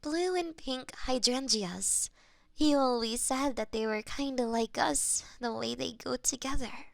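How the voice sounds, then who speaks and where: A woman performing a gentle audio roleplay as a florist friend, soft-spoken and a little flustered, recorded on a binaural microphone. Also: high voice, unhurried, gravelly, dry recording.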